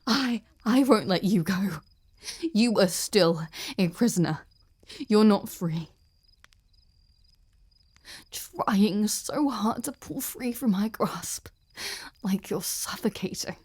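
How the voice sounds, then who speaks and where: A woman playing an obsessed, cruel ice queen general in a dramatic audio roleplay, halting and intense, often breathy. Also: mid-range voice, expressive, darkish tone. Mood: cold, menacing.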